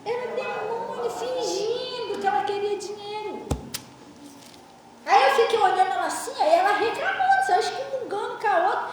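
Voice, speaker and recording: A woman pastor preaching in an animated, laughing storytelling style. Her voice is very high, with a long hall reverb from a distant mic and faint background noise. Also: normal speed. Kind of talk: storytelling sermon. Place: church. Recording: echoey church hall, mic far off.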